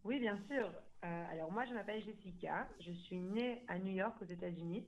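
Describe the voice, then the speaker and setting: A woman's voice: medium pitch, fairly quick. A woman from Belgium, talking casually and chattily about her life and languages. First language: French. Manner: chatty, many fillers and restarts, laughs easily. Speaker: language school founder. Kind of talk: casual interview talk. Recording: phone-like narrow sound.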